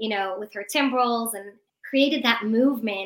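Very clean recording, silent background: a woman with an unremarkable speaking voice at a fairly high pitch. She speaks at a moderate pace with fairly even intonation. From Los Angeles, from age seven (born in Israel). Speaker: dance teacher and choreographer. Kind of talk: interview.

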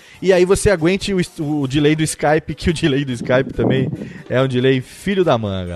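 A man's fairly high voice at a moderate pace, animated in tone with lively intonation, over noticeable background noise. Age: 30s. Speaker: podcast host. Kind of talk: casual chat.

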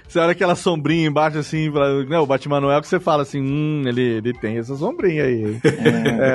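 Against noticeable background noise, a man talks at a fairly quick pace with fairly high pitch and ordinary pitch variation. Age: 40s. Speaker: podcaster. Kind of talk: casual chat. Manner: animated.

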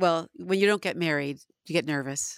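A woman with an American accent has a plain, everyday voice, fairly low in pitch with ordinary pitch variation. The sound is dry and close with no echo, on a very clean recording with a silent background. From Chicago area, US Midwest. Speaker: teacher. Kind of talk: interview, personal life story.

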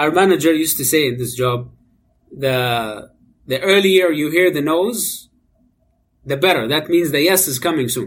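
With an Arabic accent, a man speaks at a moderate pace and a fairly high pitch, leaving long, frequent pauses. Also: ordinary pitch variation, very clean recording, silent background. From Jordan (Amman). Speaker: nonprofit loan program worker, immigrant. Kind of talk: interview. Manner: halting.

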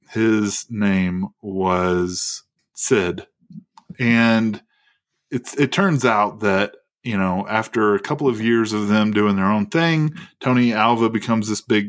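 Here a man has a plain, everyday voice with a fairly low pitch. He speaks fairly slowly with fairly even intonation. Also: very clean recording, silent background. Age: 40s. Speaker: podcast co-host. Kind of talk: casual chat.

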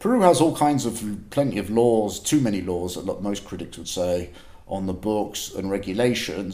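A man with an English accent speaks at a moderate pace and a fairly low pitch, with ordinary pitch variation. His tone is dark and mellow, and audible room echo surrounds him. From England. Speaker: freelance environmental journalist. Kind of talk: field reporting. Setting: outdoors on a fishing pier.

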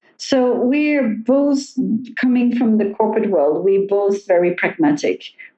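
With music in the background, a woman talks at a fairly slow pace with ordinary pitch variation. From Switzerland. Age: 50s. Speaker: HR consultant and author. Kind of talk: interview.

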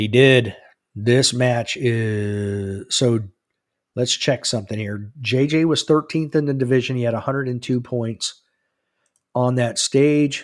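A man with an ordinary speaking voice, medium pitch and ordinary pitch variation, at a fairly slow pace. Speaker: sports commentator. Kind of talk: live sports commentary. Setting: screen-sharing online broadcast. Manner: casual, conversational, slightly informal.

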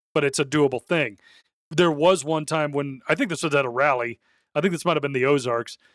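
In a very clean recording with a silent background, a man with an ordinary speaking voice talks at a fairly high pitch with ordinary pitch variation and a dry, close sound with no echo. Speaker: motorcycle podcast co-host. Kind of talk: casual chat.

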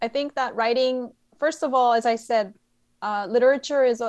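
With a Canadian accent, a woman talks at a moderate pace in a high pitch. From UK and Canada (born in Seoul, left at 7). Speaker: literary translator. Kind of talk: interview conversation. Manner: hesitant, many fillers.

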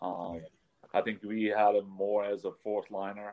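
Speaking with a German accent, a man uses a fairly low pitch at a moderate pace. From Germany. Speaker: hockey assistant coach. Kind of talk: interview.

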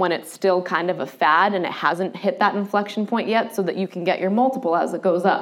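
This woman has a normal speaking voice at medium pitch. She talks at a fairly quick pace with fairly even intonation. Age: 30s. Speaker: workshop leader and podcast host. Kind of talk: lecture to a live group.

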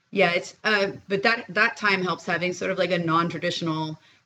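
At a moderate pace, a woman speaks in a fairly low voice with a bright, sharp tone. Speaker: clothing designer and musician. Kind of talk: casual chat.

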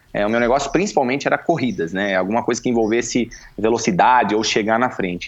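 A man's normal speaking voice at medium pitch, with ordinary pitch variation. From Campinas, São Paulo state, Brazil. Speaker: former pro cyclist and cycling youtuber. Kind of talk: casual interview chat.

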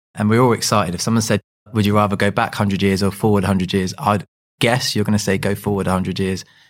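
A man with a British accent speaks at a very fast pace in a fairly low pitch. The recording is very clean, with a silent background. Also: very even loudness. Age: 30s. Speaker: sales director. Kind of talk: interview.

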